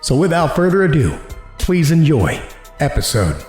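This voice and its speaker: A man's voice: a little high, huge pitch swings, normal speed, a little mellow. Theatrical male horror podcast host, echoey. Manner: theatrical, teasing delivery. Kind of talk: scripted horror anthology introduction. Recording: echoey with faint music.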